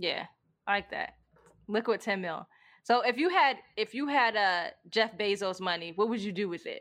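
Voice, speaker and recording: A woman with an American accent and an unremarkable speaking voice talks at a moderate pace. Her pitch is fairly high, with ordinary pitch variation. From Boston. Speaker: playwright and TV writer. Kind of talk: interviewing.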